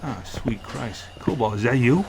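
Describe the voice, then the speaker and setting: A man playing a gruff, foul-mouthed black-market implant dealer in a sci-fi audio drama, brash and hard-bargaining. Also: mid-range voice, moderate pace, a crowd in the background, lightly acted. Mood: grumbling familiarity.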